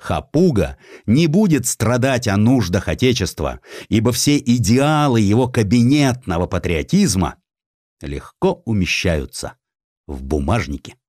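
A man narrating a satirical historical audiobook in a theatrical, ironic and expressive manner. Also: on the low side, unhurried, no room sound, studio quality.

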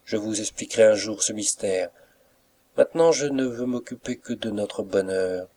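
A man reading an audiobook, voicing a mysterious young suitor who speaks gently and respectfully, with soft reproach. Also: lowish voice, moderate pace, lightly acted. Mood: tender.

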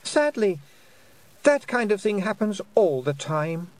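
A man's voice: sits high, big pitch swings, slow, no echo, voice pushed up, full character voice. A man reading aloud and voicing a cruel, mocking fairy queen who taunts a girl. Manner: silky, taunting, condescending.

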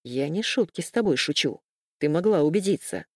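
A woman's voice: deep voice, lively intonation, a little fast, darkish tone, dry recording, clean studio sound. A woman voicing a stern, scornful young man who berates and threatens in a commanding tone. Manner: harsh, commanding, contemptuous.

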